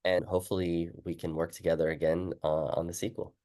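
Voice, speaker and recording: A man with a low-pitched voice hosts a relaxed, casual conversation. He talks informally as the interviewer, dropping in quotes of what he said or thought. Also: fairly quick. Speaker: interviewer, book author. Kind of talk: casual chat.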